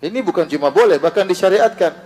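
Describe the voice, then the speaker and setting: A man's voice: high-pitched, fast talker, a little mellow. Male religious teacher, lecture style, recites Arabic verses, reverberant hall recording. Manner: asks the audience rhetorical questions and answers them himself; recites Arabic verses between plain explanations. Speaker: Islamic teacher.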